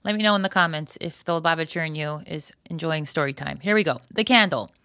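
A woman's voice: sits low, fast talker, bright, forceful tone, smooth, no echo. Wry, chatty woman podcast host, dry sound. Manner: wry, joking, conversational. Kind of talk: chatty solo podcast monologue with ad reads.

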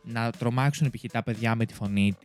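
Halting young Greek man sharing film facts. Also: mid-range voice, smooth, faint music behind. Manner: halting, searches for words mid-sentence. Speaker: podcast co-host presenting film facts. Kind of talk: casual chat. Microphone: desk microphone.

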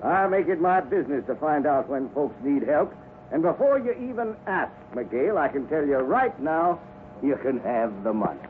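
Hearty smooth-talking colonel, laughs along, thin crackly 50s radio. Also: male voice, a little high, big pitch swings, moderate pace. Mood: jovial. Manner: hearty, chuckling, ingratiating. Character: jovial wealthy older colonel, smooth and self-satisfied. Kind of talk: 1950s radio acting. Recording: narrow, hissy 1950s radio broadcast.

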